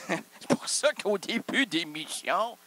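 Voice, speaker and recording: A man hosts his own improvised comedy show. He plays with words and keeps cutting himself off. His voice is fairly high and bright, and it swings widely in pitch. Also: lively intonation, slow pace. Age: 30s. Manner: absurd, playful, self-interrupting wordplay. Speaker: host.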